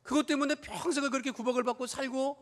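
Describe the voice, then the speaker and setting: A pastor with a very high, fairly bright voice preaches a sermon in a church sanctuary at a quick pace, his intonation fairly even. He tells a story and acts out the voices of quoted family members, with a long reverb tail behind him.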